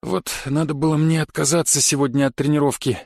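A man's voice: fairly high pitch, flat delivery, a little fast, creaky, darkish tone, dry recording, studio quality. A man voicing a grumpy young male student who mutters his lines in an audiobook. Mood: grumbling. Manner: grumbling, muttering. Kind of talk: audiobook character reading.

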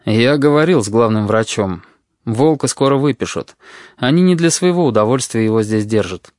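A man voicing a tired older male caretaker who talks calmly and quietly firmly. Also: medium pitch, moderate pace, dry recording, studio quality, lightly acted. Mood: weary. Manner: calm, weary, quietly firm.

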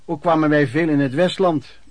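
Actor as an old Dutch street vendor reminiscing, folksy. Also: male voice, on the high side, normal speed, no room sound, natural voice. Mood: nostalgic. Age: older. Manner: folksy, wordy storyteller with quaint old-fashioned phrasing. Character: plain-spoken former male street vendor and vagrant reminiscing. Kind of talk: radio play monologue in interview form.

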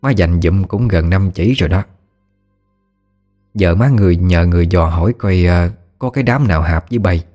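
A man's voice: deep voice, normal speed, warm tone, faint music behind. A man with a Southern Vietnamese accent voicing an elderly rural widowed mother who fusses and scolds affectionately. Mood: coaxing. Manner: homely scolding, folksy exclamations.

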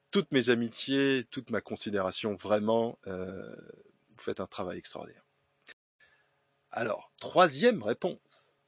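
Male podcast host, husky, animated delivery, reads listener mail with hesitations, dry close sound. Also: medium pitch, no room sound. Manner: hesitant reading with fillers and restarts, ironic asides. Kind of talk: reading listener letters aloud with asides.

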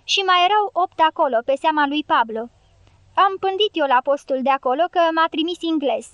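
A woman's voice: sits high, animated, fairly bright tone, no echo, dull audio, voice pushed up. Jumpy, rambling male gypsy guerrilla for an audiobook, voiced by a woman narrator, dry close sound. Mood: anxious. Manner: anxious, rambling. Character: nervous talkative male gypsy fighter. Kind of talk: audiobook character reading.

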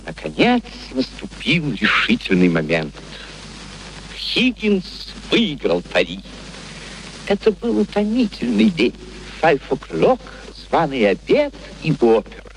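An actor playing a genteel gentleman who narrates a radio play in measured, literary, expressive storytelling. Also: a little high, slight background noise, full character voice, poor audio. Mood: reflective. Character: genteel gentleman narrator recounting events reflectively.

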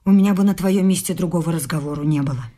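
A woman's voice: fairly low pitch, fast talker, warm tone, lightly acted. Actress as haughty, nagging, domineering mother-in-law. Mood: scolding, lecturing. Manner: scolding, emphatic nagging with whispered scorn. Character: domineering, grasping mother-in-law, haughty about her noble breeding. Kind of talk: theatrical radio drama acting.

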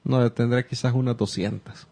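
A man with a Salvadoran accent chats casually on a podcast with a nostalgic, reminiscing manner. His voice is mid-pitched and conversational. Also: fairly even intonation, normal speed, gravelly, dark tone. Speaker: podcast co-host. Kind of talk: casual chat.

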